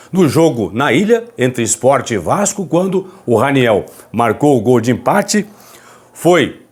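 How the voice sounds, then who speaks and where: A man presenting football news commentary to viewers, speaking softly with a hoarse, raspy voice as he recovers from a throat problem. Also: medium pitch. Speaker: sports commentary host.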